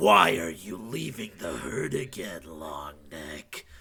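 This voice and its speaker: In a put-on character voice, a man speaks very slowly with a raspy, very deep, low pitch and very wide pitch swings. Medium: read story. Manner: brooding, self-pitying.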